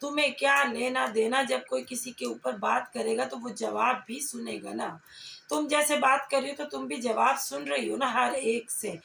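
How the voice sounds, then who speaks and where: A woman's voice: high voice, normal speed, creaky, pushed and bright. A woman giving confrontational reaction commentary, scolding and taunting with pointed rhetorical questions. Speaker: reaction vlogger. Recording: echoey room, faint background noise.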